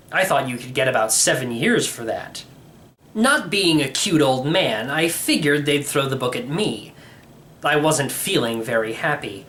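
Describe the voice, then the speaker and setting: A man reading a first-person storybook narration in an expressive, wry manner. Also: medium pitch, a little hiss or hum. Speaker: storybook reader.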